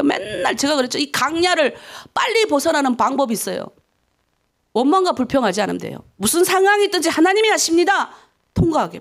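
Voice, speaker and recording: Woman, middle-aged, North Korean accent, pastor, dawn sermon, high voice, very lively intonation, loud to hushed. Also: vocal fry. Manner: animated, swings between loud and hushed.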